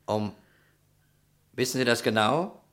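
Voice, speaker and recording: A man's voice: medium pitch, takes it slowly, a bit bright. An actor playing a persistent police detective in a German radio crime play, formal and methodical in his questioning. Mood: probing.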